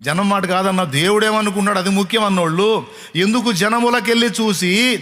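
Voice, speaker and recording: High-voiced man preaching emphatically. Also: fairly quick, a bit bright. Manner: emphatic, repetitive, rhetorical questions. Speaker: pastor. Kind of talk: sermon to a congregation.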